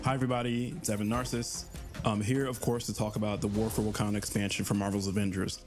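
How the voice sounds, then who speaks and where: A man's voice: lowish voice, level tone, quick pace. A man giving a prepared promotional talk as a writer presenting his work. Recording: music behind the voice.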